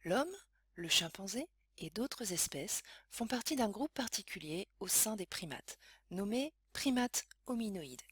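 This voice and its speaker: A woman reading scripted science lesson narration in a measured, explanatory way. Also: mid-range voice, expressive, a bit bright, breathy edge, no room sound. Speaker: educational narrator.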